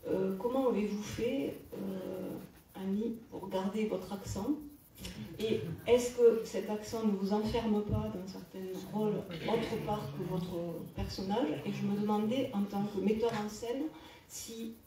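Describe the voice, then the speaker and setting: A woman in the audience putting a careful, measured question to a panel. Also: medium pitch, mellow. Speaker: audience member asking a question. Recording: roomy hall, distant mic, faint noise.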